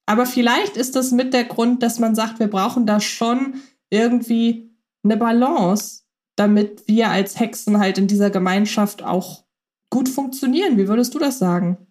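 A woman's voice: fairly high pitch, moderate pace, a little mellow. Enthusiastic woman podcaster. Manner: enthusiastic, thinks aloud with fillers. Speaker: podcast co-host. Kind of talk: casual podcast chat about radio plays.

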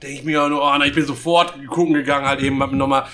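Aufgedrehter Mann mit heller Stimme. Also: male voice, medium pitch, rapid-fire. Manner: crude, excitable storytelling, slips into loud impressions. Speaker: podcast co-host. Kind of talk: casual storytelling chat.

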